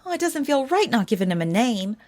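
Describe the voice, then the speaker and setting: Cheeky young lab assistant, folksy talk, higher voice, lively lilt. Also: female voice, fairly quick.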